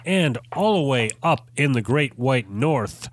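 A man's voice: medium pitch, lively intonation, measured pace, a little hiss or hum. A man hosting a podcast in casual chat, stuffed up from a cold and laughing easily. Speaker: podcast host.

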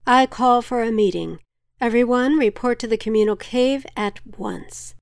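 A calm village elder addresses frightened villagers in an even, measured way, as a woman narrator puts the voice on. The sound is close and dry. It is a storybook leader's voice, kept near the narrator's own. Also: mid-range voice, no echo, close to an everyday voice. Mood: grave.

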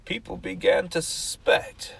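A man hosting a horror radio show, introducing stories in a theatrical, hushed whisper. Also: sits high, steady tone, unhurried, creaky, husky, no room sound. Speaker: host.

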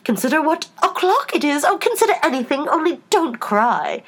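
A woman's voice: very high voice, very animated, extremely slow, voice pushed up, exaggerated voice. A woman voicing a flustered, dotty old queen from a storybook, stammering and exclaiming as she goes. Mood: despairing. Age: older.

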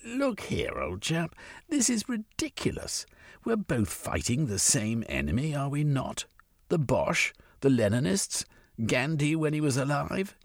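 A man reader voicing a pompous, self-important middle-aged gentleman who gives blustering, indignant speeches. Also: a little high, wildly swooping pitch, measured pace, no room sound, clean studio sound, pitched above the performer's own voice, exaggerated voice. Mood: placating.

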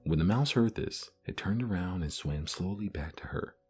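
A man narrating a storybook in a gentle, measured way. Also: sits low, lively intonation, soft background music. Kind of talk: storybook reading.

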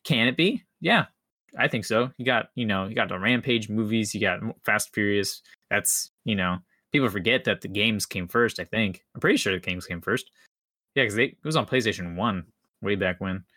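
Young man chatting, bright forceful voice. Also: on the low side, moderate pace, dry recording, studio quality. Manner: enthusiastic, rambling, slangy. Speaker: podcast co-host. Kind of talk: casual chat.

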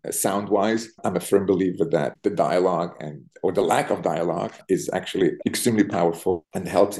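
A man's voice: fairly low pitch, darkish tone. A middle-aged Swiss-born man who grew up speaking Italian and German, giving thoughtful interview answers as a cinematographer and often restarting as he searches for words. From Switzerland.

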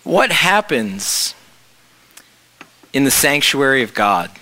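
A man's voice: medium pitch, big pitch swings, slow, pushed and bright, poor audio. A man preaching a reflective sermon, explaining scripture with rhetorical questions.

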